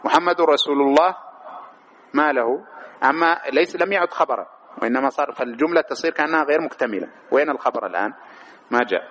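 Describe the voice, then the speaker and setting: A man's voice: fairly high pitch, expressive, fast, a bit bright, a little hiss or hum, rough recording. A man teaching a lesson on religious law, explaining a text line by line and stopping to pose questions he answers himself. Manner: keeps asking rhetorical questions and answers them himself; demonstrates correct and wrong pronunciations. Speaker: teacher of Islamic jurisprudence.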